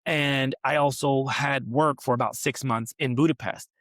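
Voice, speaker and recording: Steady and mid-range, with a slightly bright tone, the voice belongs to a forties-aged podcast host speaking at normal speed. The recording is dry and studio quality. He's in New York City on a massage table, telling a long rambling personal story in a casual interview and regularly tagging lines with "right?"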